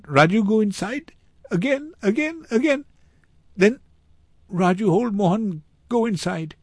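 Frightened, very high-pitched young street boy. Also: no room sound, studio quality, heavily acted. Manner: broken, halting English in short bursts.

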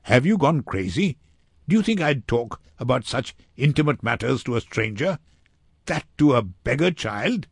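Guy doing an annoyed impatient man in an audiobook, curt and cynical, pitch jumping around a lot. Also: very animated, measured pace, no room sound, studio quality. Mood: incredulous. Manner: curt, irritable.

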